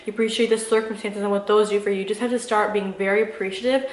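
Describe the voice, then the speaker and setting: A woman's voice: medium pitch, flat delivery, fast. A young woman chatting casually to viewers in a Q&A, rambling with lots of fillers while giving earnest, encouraging advice. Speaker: vlogger answering viewer questions. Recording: echoey room.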